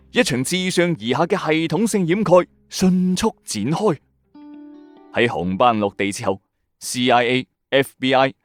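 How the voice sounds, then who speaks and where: A man's voice: medium pitch, dry recording, clean studio sound. A man with a Hong Kong Cantonese accent narrating a scripted mystery documentary as a late-night show host, in an emphatic, suspenseful way.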